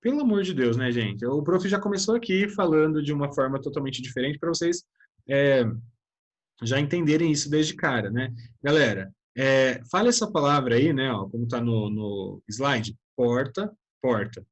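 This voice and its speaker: A man's voice: medium pitch, lively intonation, normal speed, dull audio. A man with a Brazilian accent teaching an online lesson, chatty and always checking in with his students. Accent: Brazilian Portuguese. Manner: chatty, keeps addressing the class with tag questions.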